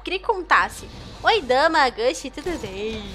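A young Brazilian woman chatting casually with viewers while streaming a game, with excitable outbursts. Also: sits high, measured pace. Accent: Brazilian Portuguese. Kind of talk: casual gameplay commentary.

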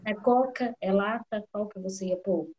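A woman's voice: medium pitch, normal speed, darkish tone, muffled recording, a little hiss or hum. A woman helping her young child in an online class, insistent and correcting. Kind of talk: casual coaching of a child. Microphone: video call.

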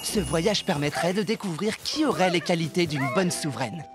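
A man's voice: a little high, expressive, normal speed, music in the background, lightly acted. A man playing the narrator of a cartoon fairy tale, telling it in a scripted storybook style. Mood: storytelling.

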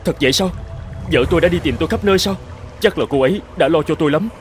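A man voicing a brawny tribal chief in an animated fairy tale, earnest and theatrical. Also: fairly high pitch, quick pace, faint music behind, close to an everyday voice. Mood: anxious. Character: brawny male tribal chief, scheming captive husband.

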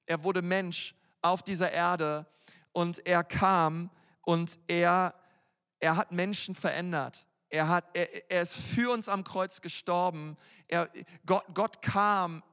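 A man's voice: high voice, fairly bright tone, big-room sound. A male pastor preaching a sermon in a casual, youthful way, with frequent fillers and slang. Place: church hall.

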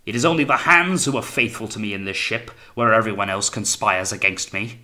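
A man voicing a paranoid, tyrannical naval captain in an audiobook sea story, taunting and accusing, swinging from quiet menace to blaring. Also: fairly low pitch, expressive, normal speed. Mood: paranoid rage. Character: paranoid, sneering, tyrannical male naval captain, raging and suspicious. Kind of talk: dramatised audiobook reading of sea fiction.

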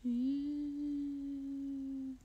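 A young woman from Toyama with a Toyama dialect, chatting casually on her livestream and reacting to viewer comments, dropping to soft murmurs and then bursting out brightly. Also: high voice, completely flat delivery, drawn-out words, lo-fi sound, a little hiss or hum. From Toyama, Japan. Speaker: idol livestream host.

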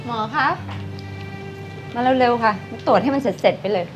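A woman's voice: a little high, moderate pace, highs cut off, over music, natural voice. An actress playing an impatient, dismissive woman who hurries the doctor along.

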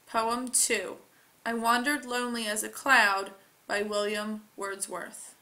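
Bright-voiced woman reading test questions slowly. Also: fairly high pitch, flat delivery. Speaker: teacher reading a test aloud. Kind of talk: scripted read-aloud of test questions.

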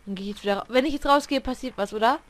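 A woman's voice: fairly high pitch, rapid-fire. A woman giving unscripted commentary on a horror game she plays blind, jumpy, exclaiming, cussing and talking back to the characters. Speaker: let's player.

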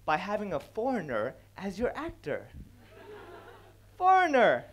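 Animated young man doing stand-up. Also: high-pitched, a little hiss or hum. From Hong Kong. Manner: animated, acts out characters with quick voice changes. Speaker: stand-up comedian. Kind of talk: stand-up comedy talk. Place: large dark stage before a live audience. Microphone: headset mic.

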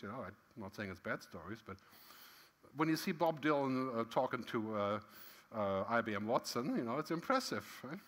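Middle-aged male keynote speaker, casual and emphatic, hall echo. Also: mid-range voice. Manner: conversational, frequent "right?" tags, lively emphatic swings. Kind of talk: conference keynote talk. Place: large conference hall stage. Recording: long hall reverb.

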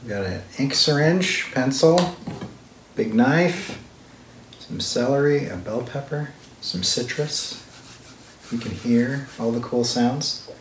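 A man in his thirties, an animator hosting his own vlog, talking in a relaxed, chatty way with fillers from his home studio. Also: medium pitch, slow, pauses often, slight background noise. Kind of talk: casual vlog talk. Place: home art studio, indoors.

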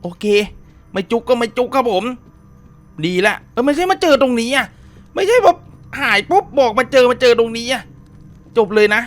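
A man's voice: extremely high pitch, lively intonation, normal speed, a bit bright. A man hosting a horror-game let's play, chatting politely with viewers and often exclaiming and laughing. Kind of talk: casual horror-game commentary.

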